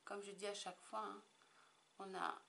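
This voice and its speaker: A woman's voice: medium pitch, little pitch movement, moderate pace, vocal fry, pushed and bright. Woman, casual makeup tutorial talk, rambling, lots of fillers, faint background hiss. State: tickly throat. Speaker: makeup vlogger.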